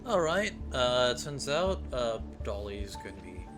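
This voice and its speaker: A man hosting a livestream in a casual, chatty way. His mid-pitched voice moves up and down in a lively way, with music clearly behind it. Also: unhurried. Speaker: streamer.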